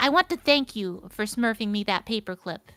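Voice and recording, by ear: At a moderate pace, a woman performs a put-on character voice with a fairly high pitch.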